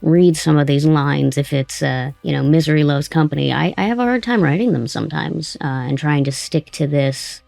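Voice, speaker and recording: A woman's voice: sits low, moderate pace, vocal fry, few pauses, a little mellow, no room sound. A woman hosting a casual interview, conversational and attentive as she asks questions and comments. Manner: conversational, attentive, with brief acknowledgements. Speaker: interviewer and writer of an audio drama. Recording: close dry sound with music behind. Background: background music.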